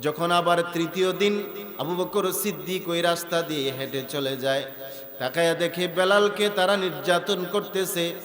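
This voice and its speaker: A man's voice: fairly high pitch, steady tone, moderate pace, fairly bright tone. A male Islamic preacher telling a story in a melodic, chanted sermon style. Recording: echoey outdoor PA, long reverb, faint music.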